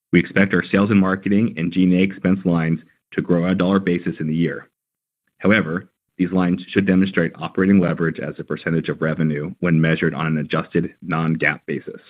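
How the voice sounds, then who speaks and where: Deep-voiced man reading financial guidance. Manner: formal, measured reading of prepared remarks. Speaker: company finance executive. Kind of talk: scripted financial earnings call presentation. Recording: dull, band-limited conference call audio.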